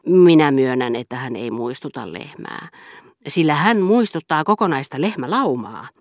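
A woman voicing a witty, sharp-tongued aristocratic duchess who mocks with theatrical exclamations in an audiobook. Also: low voice, lively intonation, no room sound, studio quality. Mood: mocking. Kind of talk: audiobook character reading.

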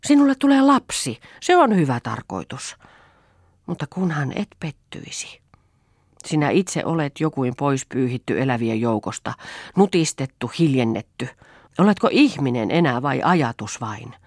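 A proud, headstrong young woman from a spoken novel, read by a woman, firing off mocking, rhetorical challenges. Her pitch swings widely from line to line, and the recording is close and dry. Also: big pitch swings, dry recording, full character voice. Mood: scornful.

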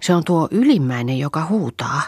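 A woman voicing an eager, willing farm girl in a quick whispered role-play. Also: deep voice, expressive, a little mellow, slightly rough, no room sound.

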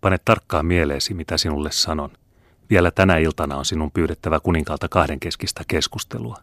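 A man reading the part of a scheming male Jesuit priest in a low, murmuring voice. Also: a bit bright, no echo. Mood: urging.

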